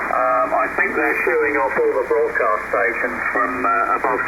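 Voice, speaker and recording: Someone with an English accent speaks with audible room echo and noticeable background noise. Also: man. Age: 60s. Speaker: ham radio operator. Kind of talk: amateur radio contact. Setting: radio transmission.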